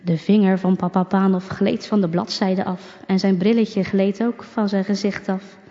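A woman calmly reading a storybook aloud, unhurried, with small slips. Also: mid-range voice. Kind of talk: storybook narration read aloud. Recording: dull recording with long reverb.

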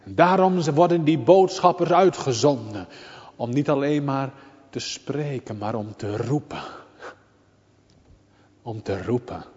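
A man preaching a sermon in a church, swinging between loud, drawn-out calls and quiet, confiding asides. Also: mid-range voice, lively intonation. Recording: dull lo-fi recording with long church reverb.

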